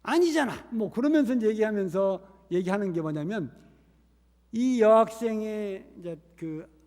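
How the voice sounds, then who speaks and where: Unhurried and a little mellow, a high-voiced missionary earnestly narrates a story during his sermon, voicing the characters he quotes. The reverberant church sanctuary echoes around him.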